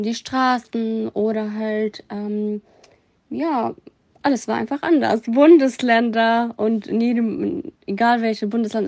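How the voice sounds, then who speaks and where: A woman's voice: on the high side, a little mellow, no room sound. Self-assured young Syrian woman. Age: young adult. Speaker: interviewee. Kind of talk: personal testimony to camera.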